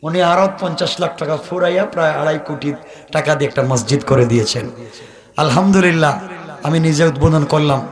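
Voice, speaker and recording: A male preacher delivering a sermon, moving from quiet storytelling to shouted, sing-song climaxes. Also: a little high, brisk. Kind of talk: Bengali waz sermon.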